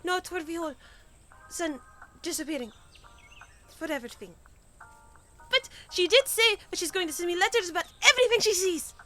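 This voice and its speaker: A woman's voice: extremely high pitch, fairly quick, pushed and bright, faint music behind. A woman playing a chatty, earnest young princess in a fiction podcast, rambling emphatically and stammering as she coaxes.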